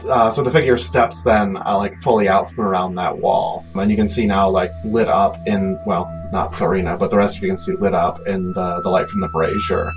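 Very deep-voiced man narrating a game. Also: fairly even intonation. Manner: halting, conversational description with many asides. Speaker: game master. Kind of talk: improvised tabletop game narration. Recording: dull, muffled sound under prominent music.

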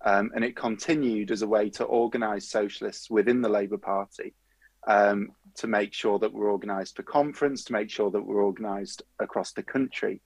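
A man's voice: on the low side, fairly even intonation, moderate pace, husky, no echo. A man with a Durham accent talking conversationally as a guest activist on a panel. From Durham, North East England.

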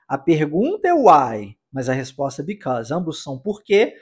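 A man's voice: fairly high pitch, wildly swooping pitch, slightly rough. Upbeat Brazilian man teaching English. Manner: upbeat, drills phrases slowly for repetition. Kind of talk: English lesson for Portuguese speakers.

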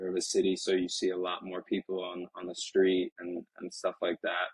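A young man in his twenties speaks in a deep, very flat and husky voice, picking his words slowly with frequent restarts. The sound is dry and close, with no room around it. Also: no echo, low-quality recording. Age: 20s. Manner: reflective, halting, many restarts. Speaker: professional soccer player, guest. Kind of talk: casual interview talk. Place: Lisbon.

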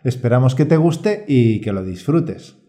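A man teaching a Spanish course and co-hosting its podcast speaks in a calm, reassuring, scripted way. His voice sits at medium pitch and moves unhurriedly.

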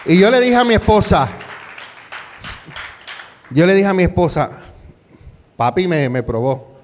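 Male pastor, middle-aged, slightly high voice; conversational sermon full of rhetorical questions and Spanglish asides. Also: big pitch swings, unhurried, a faint crowd, a little hiss or hum. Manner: peppers talk with rhetorical questions and "¿verdad?"; drops English words into Spanish. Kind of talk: conversational sermon with personal story.

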